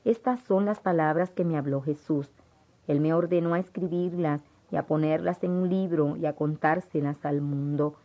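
Solemn low-voiced woman narrator. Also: normal speed, dark tone. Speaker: audiobook narrator. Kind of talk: first-person audiobook narration. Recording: dull lo-fi audiobook audio.

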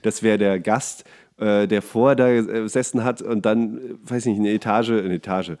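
A man's voice: on the low side, moderate pace. A man hosting a podcast in casual comic chat, telling anecdotes and acting out little quotes as he goes. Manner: animated storyteller, acts out short quotes. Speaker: podcast host.

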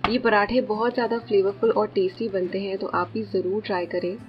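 Woman, 30s, home cooking vlogger; calm, explanatory voice-over, slightly muffled, light background music. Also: medium pitch, a little fast. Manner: calm, explanatory, addresses viewers directly. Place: home kitchen.

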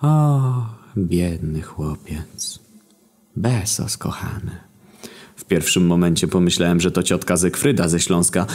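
A young man narrating a satirical story in a deadpan, sarcastic, profane way. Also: low voice. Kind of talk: scripted comic narration.

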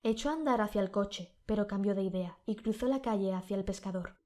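Brief: Spanish-accented woman, audiobook narrator, measured and steady, throat a bit sore. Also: medium pitch. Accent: Spain Spanish.

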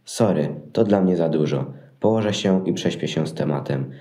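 A man's voice: low voice, normal speed, dark tone, reverberant, lightly acted. A man playing a lazy, fearful shepherd in a Christmas audio play, grumbling in a colloquial, dragging way. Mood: reluctant. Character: lazy, fearful, reluctant shepherd who wants to sleep.

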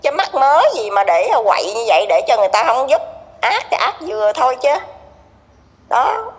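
A middle-aged woman with a Southern Vietnamese accent talks in a slightly high voice, gossipy and emphatic, circling back over her points. Her voice carries a lingering reverb. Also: big pitch swings, moderate pace. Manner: gossipy, emphatic, repeats herself. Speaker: neighbor being interviewed. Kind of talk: casual conversation.

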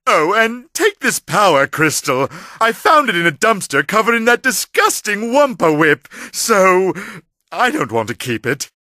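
A man's voice: high-pitched, very animated, a little slow, sharp tone, no room sound, studio quality, heavily acted. A man voicing a vain, exasperated big-headed mad scientist villain in a video game, with a theatrical, whiny, irritable delivery. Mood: pleased. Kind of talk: animated video game character acting.

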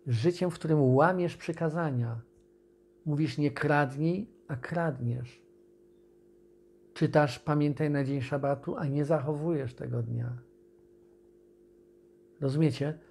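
A man preaching an informal video sermon, speaking conversationally with pauses and restarts and reading scripture aloud. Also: mid-range voice, a little mellow, breathy edge.

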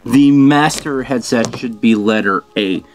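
This product reviewer is a middle-aged man doing a casual unboxing at a table in a small studio. He informally thinks aloud while working with the gear. He has a mid-range voice and a measured pace, and background noise can be heard.

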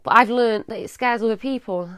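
A woman in her thirties hosting a casual live advice talk for autistic kids at home, loud and quick to get sidetracked. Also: fairly high pitch, clean tone. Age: 30s. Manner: animated, loud, jumps between topics. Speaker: advice show host. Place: at home, walking through a child's room.

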